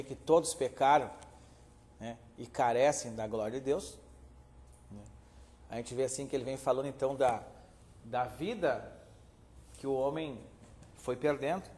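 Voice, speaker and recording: Man, a pastor giving a Bible lesson, earnest and conversational, medium pitch, in a reverberant hall. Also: a little mellow. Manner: earnest, addresses listeners as brothers, many filler "né". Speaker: pastor teaching a theology class. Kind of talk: classroom Bible lecture.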